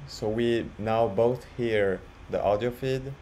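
A man presenting a casual software walkthrough, explaining step by step in a halting way. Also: mid-range voice. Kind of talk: casual screen-share walkthrough. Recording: clearly audible background noise.

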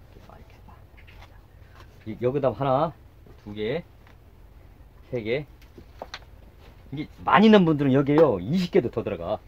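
Low-voiced man muttering through a gardening demo. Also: darkish tone, slight background noise. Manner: talks while working, repeats short words, mutters asides. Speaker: gardening channel host. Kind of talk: casual hands-on gardening demonstration. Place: outdoors by a house.

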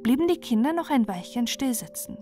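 High-voiced woman narrating a fairy tale. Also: expressive, a little fast, warm tone. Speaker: storyteller. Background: music.

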